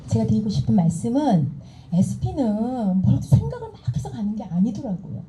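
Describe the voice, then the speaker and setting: A middle-aged woman giving a motivational seminar talk, animated and acting out the dialogue she recounts to the audience. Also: fairly high pitch, normal speed, a little hiss or hum, low-quality recording. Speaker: seminar speaker.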